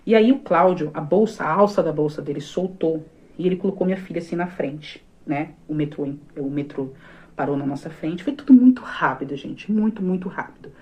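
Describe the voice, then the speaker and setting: Brazilian woman, 30s, low and warm voice, emotional testimony told straight to the audience. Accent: Brazilian Portuguese. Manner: emotional storytelling, often calls on listeners directly. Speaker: speaker giving a personal testimony. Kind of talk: personal faith testimony.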